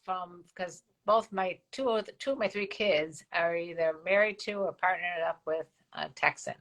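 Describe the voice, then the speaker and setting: A woman's voice: on the low side, normal speed, a bit bright, poor audio. An older woman co-hosting a live stream, chatting frankly and bawdily and reading out viewer comments. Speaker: co-host of a live stream show. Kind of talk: casual chat.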